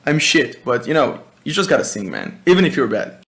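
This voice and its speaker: A man from Israel with an Israeli accent, talking casually as a music producer in a hesitant, halting way, swearing now and then. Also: mid-range voice, sing-song, gravelly, a bit bright. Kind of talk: casual workshop talk.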